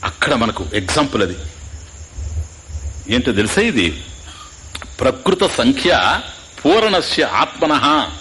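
Male Vedanta teacher, lively discourse delivery, keeps asking the audience questions. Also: medium pitch, slow pace, pauses often, slight background noise. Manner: keeps quizzing listeners, mixing in English asides. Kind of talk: spiritual discourse.

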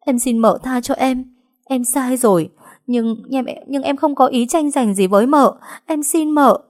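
A woman's voice: sits high, unhurried, darkish tone, pitched above the performer's own voice. Woman doing a tearful begging young woman. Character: frightened young pregnant woman, desperate and pleading.

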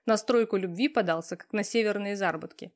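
A woman voicing a hurt, tearful young woman who answers slowly and stubbornly. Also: medium pitch, natural voice. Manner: slow, subdued, stubborn replies. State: tearful, sniffling.

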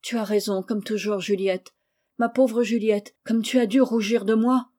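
A woman reading as a hot-tempered, earnest young gentleman with formal, emphatic speech in a storybook. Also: mid-range voice, steady tone, normal speed, lightly acted. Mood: ashamed. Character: proud, hot-tempered but repentant young gentleman farmer.

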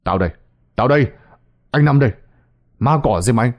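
A man voicing a gruff, practical, teasing fisherman in an audio horror story, with a blunt, matter-of-fact manner. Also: mid-range voice, animated, moderate pace, dull audio, close to an everyday voice. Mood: calling out.

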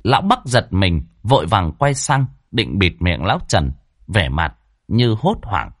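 A man narrating a ghost story with expressive, rhythmic delivery. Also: deep voice, a little slow, no echo, studio quality.

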